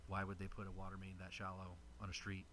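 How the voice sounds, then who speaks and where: A man with a low, crisp-edged voice speaks as a city official at a meeting. He explains things haltingly and off the cuff, with little rise and fall. There is faint noise behind him. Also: completely flat delivery, sharp tone. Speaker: city public works official. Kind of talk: unscripted explanation at a public meeting. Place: city council chamber.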